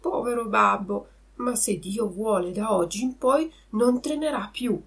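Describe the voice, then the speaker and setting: Lady reading as a naive little puppet boy, excitable, pitched up, storybook. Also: measured pace, recorded from a distance. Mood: eager.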